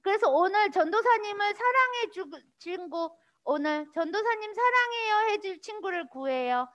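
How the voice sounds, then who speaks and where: A woman with a very high voice gives a children's sermon in a church room. Her pitch swings widely as she talks in an animated, sing-song way, asking the little ones questions. She speaks as their pastor. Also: moderate pace, highs cut off.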